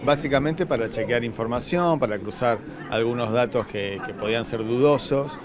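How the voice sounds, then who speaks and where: An Argentine man giving an interview answer in a halting, thoughtful manner, searching for his words. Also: medium pitch. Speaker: radio drama scriptwriter. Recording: crowd chatter behind, public event.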